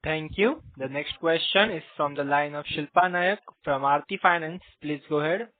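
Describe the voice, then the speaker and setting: A man's voice: on the high side, normal speed, dry recording. A man moderating a conference call, formally introducing each questioner in scripted phrases. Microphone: conference phone call. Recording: narrow tinny phone line.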